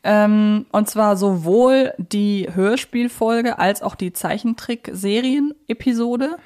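A woman's voice: mid-range voice, takes it slowly, darkish tone. Chatty woman co-hosting a podcast. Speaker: podcast co-host. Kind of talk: casual conversational discussion of audio dramas.

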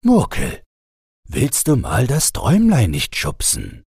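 A man voicing a fond, playful father in a storybook, calling to his children and gently chiding them. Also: medium pitch, huge pitch swings, slow, vocal fry, breathy edge, no room sound, clean studio sound, pitched above the performer's own voice, exaggerated voice.

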